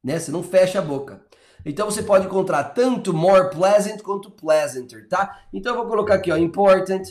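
A man's voice: high voice, brisk, reverberant. A man with a Brazilian accent teaching English in a chatty, encouraging way, full of little fillers. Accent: Brazilian Portuguese. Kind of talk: live online English lesson.

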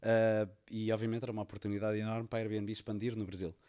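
A man's voice: lowish voice, little pitch movement, fast, warm tone. A man from Portugal with a European Portuguese accent, chatting casually as a podcast guest and telling stories with many fillers and restarts. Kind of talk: casual conversation.

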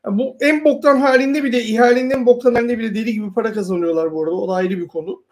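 A woman's voice: a little high, rapid-fire, darkish tone. A woman co-hosting a casual talk, giving informal, sardonic commentary and explaining her points at length. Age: adult past university years. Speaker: co-host.

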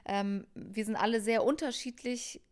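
A woman's voice: fairly high pitch, fairly even intonation, moderate pace, a little mellow. A woman from Hamburg, a musician being interviewed, talking thoughtfully with many fillers. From Hamburg, Germany. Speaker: musician guest. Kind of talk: casual interview conversation.

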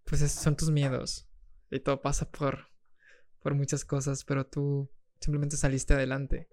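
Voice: medium pitch, monotone, a little slow, a little mellow. A podcast host speaking in a reflective, encouraging way in a casual interview.

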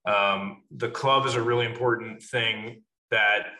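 A man in his late thirties, a podcast guest explaining things at length in a measured way with frequent fillers. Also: mid-range voice, fairly even intonation, sharp tone, roomy sound, rough recording. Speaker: guest, wrestling club officer. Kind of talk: casual podcast interview.

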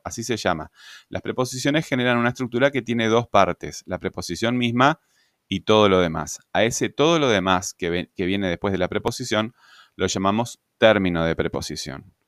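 Halting and full of fillers, a man explains grammar in a recorded lesson, often checking in with tag questions. He sounds animated, with a fairly low pitch, and the studio-quality audio has no room sound.

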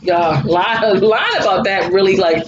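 A woman's voice: medium pitch, animated, a little slow, reverberant, highs cut off, background noise. A woman co-hosting a podcast in casual chat, ranting emphatically and repeating her points for effect. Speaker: podcast co-host.

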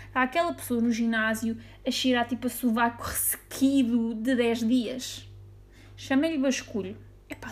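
Chatty Portuguese woman hosting a podcast. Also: a little high. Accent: European Portuguese. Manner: chatty and playful, laughs at own jokes. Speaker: podcast host. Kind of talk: casual solo podcast chat.

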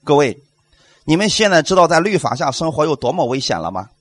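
Man preaching, high voice, very animated pitch, dry close sound, rhetorical questions, emphatic. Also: fairly quick, no room sound. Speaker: pastor. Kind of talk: sermon.

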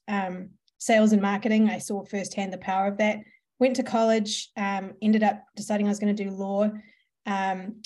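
A woman's voice: mid-range voice, darkish tone. A woman from New Zealand with a New Zealand accent, a podcast guest telling her business story in a chatty way, with frequent ums and laughs. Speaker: podcast guest, marketing entrepreneur. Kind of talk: conversational storytelling.

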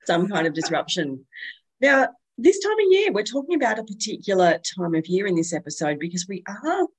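A woman with a slightly croaky, hoarse voice from being unwell, co-hosting a podcast in a relaxed, conversational way. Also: mid-range voice, fairly quick, rough recording. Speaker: podcast co-host.

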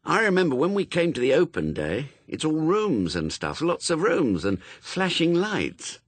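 Man voicing a doubtful boy, high for him. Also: huge pitch swings, normal speed, slightly rough, no room sound, heavily acted. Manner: uncertain. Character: doubtful, hesitant young boy in a gang.

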